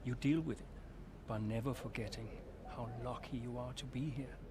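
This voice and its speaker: A man's voice: medium pitch, fairly even intonation, moderate pace, crowd noise, lightly acted. A man playing a proud, prickly veteran racing driver. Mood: quiet advice. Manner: curt, defensive, shouting in arguments. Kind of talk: video game cutscene acting.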